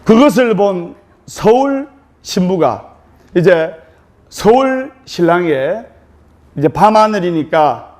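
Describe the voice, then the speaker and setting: A male Buddhist monk from Gyeongsang giving a humorous dharma talk to an audience, with lively, drawn-out phrasing. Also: high-pitched. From Gyeongsang province. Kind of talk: humorous sermon storytelling. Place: lecture hall with audience.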